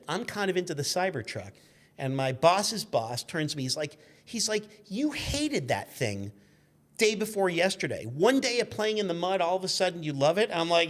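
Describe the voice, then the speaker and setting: Higher-pitched middle-aged man telling rambling anecdotes. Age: 50s. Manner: rambling, acts out quoted exchanges. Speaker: guest, car magazine editor. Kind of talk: animated anecdotal storytelling, casual chat.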